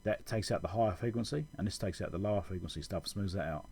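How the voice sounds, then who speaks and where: Talking fast in a deep, slightly mellow voice with vocal fry, an electronics repair video host walks through schematics in an informal tutorial, thinking aloud as he explains. Slight background noise is audible.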